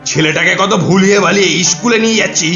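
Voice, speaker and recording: Sharp, high-voiced hot-tempered cartoon father. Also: rapid-fire, muffled recording. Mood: furious threatening. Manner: blustering, exasperated. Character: gruff, hot-tempered father of a small boy. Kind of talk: cartoon voice acting. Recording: roomy echo, faint music.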